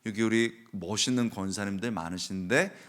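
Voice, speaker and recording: A man's voice: moderate pace, fairly bright tone. A man preaching at a dawn prayer service, telling personal stories and asking the congregation direct questions. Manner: acts out quoted voices with sudden high cries.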